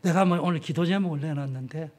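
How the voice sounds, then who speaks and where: A man's voice: a little high, quick pace. A middle-aged male pastor with a Gyeongsang accent, preaching in a frank, conversational way and acting out the dialogue in his stories. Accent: Gyeongsang Korean. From South Korea, Gyeongsang region. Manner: frank, conversational, acts out dialogue with sudden jumps in loudness. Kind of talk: sermon.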